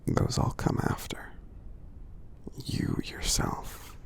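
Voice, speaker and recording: A man voicing a kindly, encouraging giant for ASMR affirmations, in a soothing, breathy, gravelly whisper. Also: lightly acted. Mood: tender, reassuring. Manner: slow, soothing, gently earnest. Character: kindly giant friend, gentle, reassuring, encouraging.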